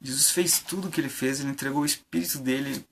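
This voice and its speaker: A man's voice: medium pitch, fairly even intonation, quick pace, slight background noise. A man preaching an informal sermon on a live stream, conversational, with many fillers and rhetorical questions.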